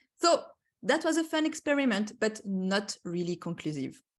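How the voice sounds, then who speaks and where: A woman with a strong French accent speaks at a fairly high pitch, somewhat breathy. Her pitch swings very widely over a quiet background. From France. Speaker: author and keynote speaker. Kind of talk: interactive keynote talk. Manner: animated.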